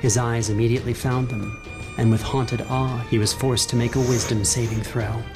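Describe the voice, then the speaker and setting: A man's voice: mid-range voice, level tone, normal speed. A man narrating a horror fantasy game as game master, in a solemn, suspenseful, dramatic style. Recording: loud music bed. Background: music.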